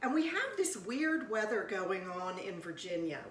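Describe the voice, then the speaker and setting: With audible room echo, a woman's voice swings very widely in pitch. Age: 60s. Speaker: sewing vlogger. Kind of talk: casual chat.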